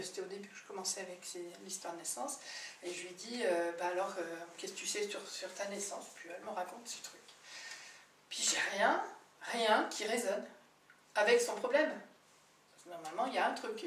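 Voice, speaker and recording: A woman therapist telling client stories in a chatty, animated way, with many fillers and restarts. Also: medium pitch. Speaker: birth-history therapist. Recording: roomy, distant mic with faint background noise.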